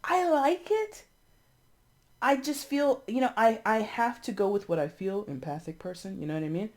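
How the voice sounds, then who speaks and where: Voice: mid-range voice, lively intonation, normal speed. Congested, blunt tarot reader in their thirties. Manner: blunt and chatty, swears, repeats words for emphasis. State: congested, sniffling. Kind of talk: casual tarot reading.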